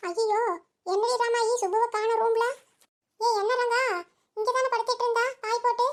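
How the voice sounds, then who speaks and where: A woman's voice: extremely high pitch, flat delivery, moderate pace, very noisy. A woman voicing a fretful young village wife, in a cartoon. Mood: frightened. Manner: anxious, exclaims often.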